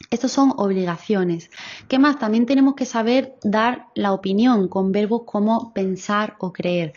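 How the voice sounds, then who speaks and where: A woman from explains grammar in a very measured, unhurried way, spelling out each example. Her voice sits at a middle pitch, and the recording sounds a little muffled. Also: darkish tone. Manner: slow, careful, clear explanation with examples. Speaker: Spanish teacher. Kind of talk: grammar lesson.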